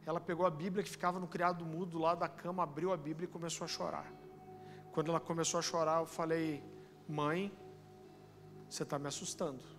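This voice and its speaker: A man in his thirties with a Brazilian accent from Curitiba, preaching a sermon and telling a personal testimony in an animated storytelling way. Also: on the high side, fast, big-room sound, music in the background. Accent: Brazilian Portuguese, Curitiba. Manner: animated storytelling, addresses listeners as brother. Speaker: pastor. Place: church auditorium.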